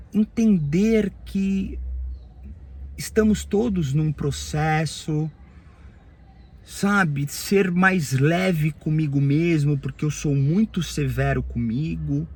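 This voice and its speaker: A little high and husky, the voice is that of a male therapist with a Brazilian Portuguese accent musing through a personal monologue. Frequent tag questions punctuate his halting, phrase-by-phrase delivery.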